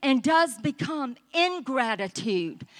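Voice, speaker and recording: Very slowly, a woman speaks in a Southern US accent. The recording is very clean, with a silent background. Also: dry, close sound with no echo. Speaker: pastor. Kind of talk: sermon. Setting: church.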